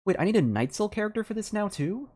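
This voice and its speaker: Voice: mid-range voice, sing-song, fast talker, a little mellow. Hesitant game streamer thinking aloud. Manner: hesitant thinking aloud, trailing off mid-sentence. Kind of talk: casual live gameplay commentary.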